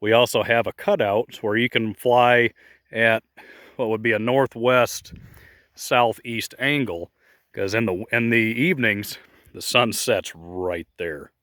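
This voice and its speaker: A man's voice: mid-range voice, slow, fairly bright tone, no echo, studio quality. Man, outdoor walking tour, phone mic, rambling, filler words, mid-range voice. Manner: rambling and chatty, with many fillers. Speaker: model airplane club member giving a field tour. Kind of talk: casual walking tour narration. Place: outdoors at a grassy flying field. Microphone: phone held while walking.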